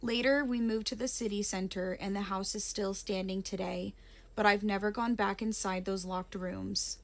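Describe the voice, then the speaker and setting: A woman with a Southern American lilt reads a submitted ghost story aloud. Her voice sits at an ordinary middle pitch, and she drops to a hush for the eerie parts. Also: fairly even intonation, moderate pace. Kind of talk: reading a listener's story aloud.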